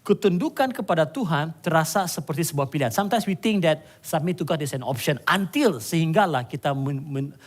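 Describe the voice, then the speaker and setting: A man preaching a sermon, animated and conversational, with asides to the congregation. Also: fairly high pitch, fairly quick, few pauses. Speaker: pastor. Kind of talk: sermon mixing Malay and English.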